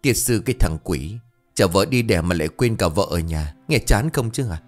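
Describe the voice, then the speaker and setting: A man's voice: low-pitched, animated, moderate pace, soft background music. A man doing a blunt scolding village friend.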